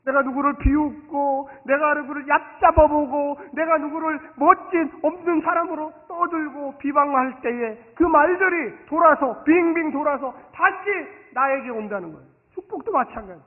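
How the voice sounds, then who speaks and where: A man preaching a Sunday sermon as pastor, animated, swinging from soft asides to loud exclamations and leading the congregation to repeat after him. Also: extremely high pitch, normal speed, few pauses. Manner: acts out dialogue and leads the congregation in call-and-response. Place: church sanctuary. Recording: reverberant hall, thin phone-like sound.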